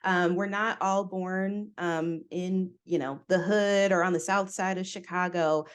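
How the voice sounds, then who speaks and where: Woman podcast guest with a lowish voice, telling her story openly and with energy. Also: measured pace, smooth. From United States. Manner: candid, animated storytelling. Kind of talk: casual interview conversation.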